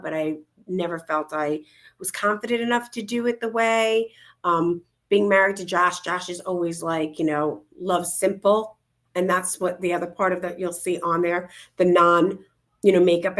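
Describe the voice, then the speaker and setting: A woman's voice: on the low side, fairly bright tone. A woman co-hosting a casual livestream talk show from home on a video call, bubbly and gushing. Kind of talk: casual upbeat livestream chat. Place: home, indoors, in Florida.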